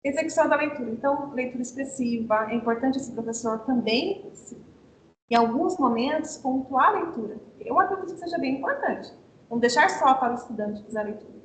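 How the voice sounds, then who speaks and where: A woman's voice: lively intonation, fairly quick. Brazilian woman leading online teacher training. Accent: Brazilian Portuguese. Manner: explanatory, asks and answers her own questions. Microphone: video call. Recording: echoey room with faint rumble.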